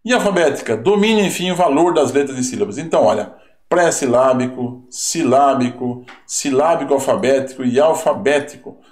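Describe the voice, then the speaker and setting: A man's voice: mid-range voice, normal speed, a little mellow. A man teaching an online lesson that reviews exam answers, talking casually and tagging sentences with little questions, with a Brazilian Portuguese accent. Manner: conversational, asks rhetorical questions, tag words. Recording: roomy echo.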